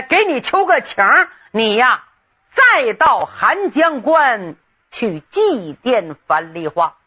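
Storyteller doing a gruff old general, folksy and coaxing. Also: medium pitch, bright, forceful tone, highs cut off, exaggerated voice. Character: blustering old male general, folksy and scheming. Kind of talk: traditional storytelling.

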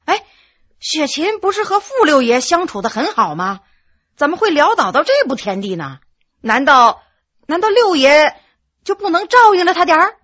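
A woman's voice: high voice, big pitch swings, moderate pace, a bit bright, muffled recording. A woman storyteller voicing an earnest male friend who asks questions eagerly. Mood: surprised.

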